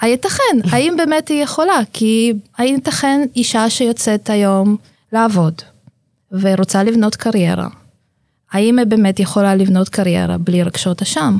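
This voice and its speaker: A woman's ordinary speaking voice, fairly high in pitch, at a fairly slow pace, with lively intonation and very even loudness. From Russian-speaking immigrant family in Israel. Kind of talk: casual chat. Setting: studio.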